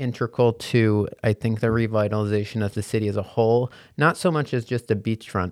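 A man with an American accent has an unremarkable speaking voice at a medium pitch. He talks at a fairly quick pace in a very clean recording with a silent background. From New Jersey, Monmouth County shore. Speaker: real estate agent. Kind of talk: casual interview.

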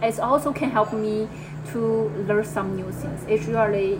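Speaking with a Chinese accent, a woman keeps a medium pitch and a moderate pace. Noticeable background noise can be heard. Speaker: podcast co-host. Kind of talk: casual chat. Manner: halting.

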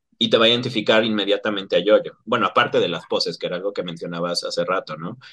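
The background is quiet. A man speaks in a Mexican accent. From Mexico. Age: 30s. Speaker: podcast host. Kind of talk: casual chat.

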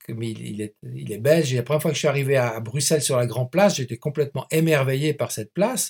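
Somewhat breathy and fairly high in pitch, a man talks at a moderate pace with lively intonation. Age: 70s. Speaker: philosopher and bioethicist. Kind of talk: interview. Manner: halting.

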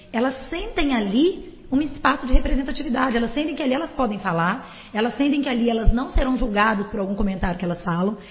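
Amid audible room echo, a woman speaks loudly and very fast in a high-pitched, animated voice with lively intonation. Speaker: teacher and football commentator. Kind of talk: casual chat.

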